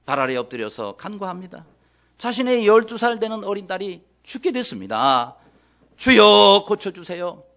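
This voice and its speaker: Animated, high-pitched preacher man. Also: normal speed. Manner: dramatic, swinging between soft asides and loud calls; leads the congregation in call and response. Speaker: senior pastor. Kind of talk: sermon.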